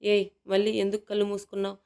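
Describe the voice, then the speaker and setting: A woman's voice: mid-range voice, monotone, fast, vocal fry, warm tone, lightly acted. A woman voicing a curt, impatient young man. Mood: stern. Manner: stern, curt commands.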